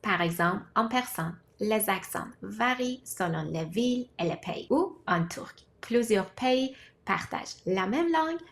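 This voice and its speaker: Non-native woman vlogger, steady scripted explainer, mid-range voice, deliberate phrasing. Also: medium pitch, gravelly. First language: not French. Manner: measured, deliberate delivery in short listed phrases. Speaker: language-learning vlogger.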